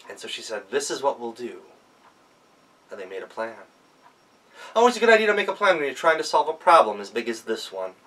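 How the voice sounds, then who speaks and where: An American man performs a folktale as a practiced storyteller. His voice is very lively and bright, full of dramatic pauses and repeated phrases, picked up from slightly away from the microphone. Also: medium pitch, far from the mic. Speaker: professional storyteller. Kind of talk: animated oral folktale telling.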